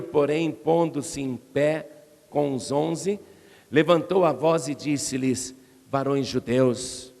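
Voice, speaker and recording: A man's voice: vocal fry, a little mellow. A man with a Brazilian Portuguese accent preaching an expository sermon, retelling scripture dramatically in a church hall. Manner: dramatic storytelling, acting out crowd voices with rising pitch. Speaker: pastor. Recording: long reverb of a large hall.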